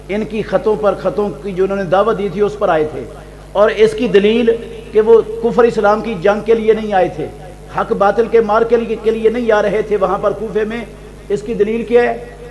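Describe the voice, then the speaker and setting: Over light background noise, the voice carries a monotone, flat intonation. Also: man, high pitch for a man. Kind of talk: sermon. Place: home room.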